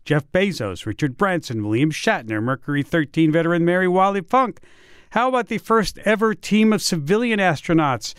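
A man hosting a public radio science talk show, speaking in an animated, lively way. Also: a little high, no room sound, studio quality.

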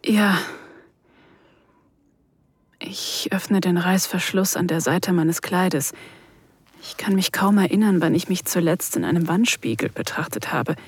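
Erotic audio drama lead: a vulnerable, shy mature woman, soft, lowish, breathy, often whispering. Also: a little slow, long pauses, dry recording. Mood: shy, tense. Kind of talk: intimate first-person erotic audio drama narration.

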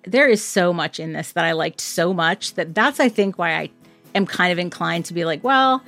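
A woman hosting a podcast, talking through a film in a thoughtful, measured way. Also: fairly low pitch, a bit bright. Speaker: podcast host. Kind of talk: casual roundtable discussion. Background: theme music.

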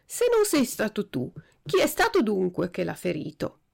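A woman's voice: mid-range voice, huge pitch swings, normal speed, vocal fry, a little mellow, slightly rough, heavily acted. A woman voicing a stern male policeman who gives curt commands in a storybook reading.

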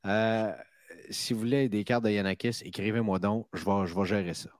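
Tired, joking Québécois podcast co-host. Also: male voice, on the low side, fairly even intonation, normal speed, a little mellow, dry recording, studio quality. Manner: joking, laughs at his own jokes. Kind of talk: casual chat.

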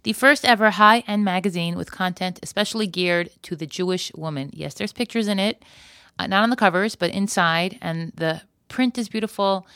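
A woman's voice: mid-range voice, normal speed, a bit bright, no room sound, clean studio sound. A woman hosting a solo podcast in a chatty, conversational way, with wry, joking asides. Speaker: podcast host.

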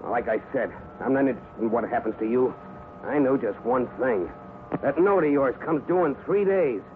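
An actor playing a mean, greedy moneylender who snarls contemptuous threats at a debtor, in 1950s radio drama style. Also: male voice, medium pitch, normal speed, lightly acted. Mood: snarling. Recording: narrow, hissy 1950s radio broadcast.

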